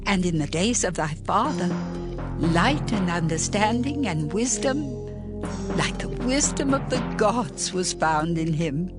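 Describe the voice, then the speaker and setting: An actress playing a stately, reassuring ancient queen in a dramatized scripture reading, with measured, formal delivery. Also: fairly low pitch, lively intonation. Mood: solemn, reassuring. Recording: loud music behind the voice.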